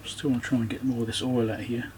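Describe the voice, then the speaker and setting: A man's voice: medium pitch, little pitch movement, quick pace, a little mellow. A man giving casual, hands-on repair commentary, thinking aloud and muttering to himself as he works. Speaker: electronics repairer presenting own repair video. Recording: clear background noise behind the voice.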